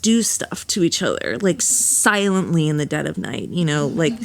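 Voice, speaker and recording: Young adult woman, podcast guest, lower pitch, candid and giggly storyteller. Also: moderate pace, creaky. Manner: animated and laughing often, with lots of fillers.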